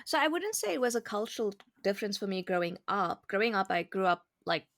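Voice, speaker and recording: A woman's voice: mid-range voice, very animated, brisk, fairly bright tone, no room sound, studio quality. A woman from South Africa with a South African accent, speaking earnestly and reflectively as a guest in a casual interview. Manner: earnest, reflective, laughs easily.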